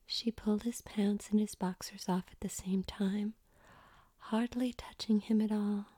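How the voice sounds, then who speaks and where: A woman reading an erotic story in a soft, unvoiced whisper close to the mic. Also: mid-range voice, steady tone, unhurried, no room sound.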